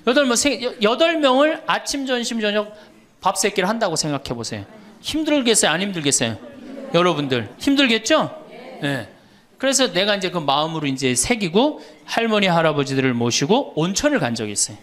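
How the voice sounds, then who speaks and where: A man's voice: high voice, very animated, a little fast, fairly bright tone. A middle-aged man, a Catholic priest, giving a humorous lecture and telling stories to an audience. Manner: storytelling, quoting others, teasing the audience.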